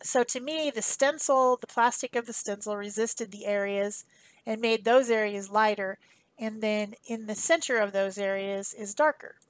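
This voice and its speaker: A woman's voice: medium pitch, moderate pace, no room sound, low-quality recording. A woman giving a casual, chatty voice-over for a craft demonstration, explaining informally as she goes. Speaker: craft tutorial host.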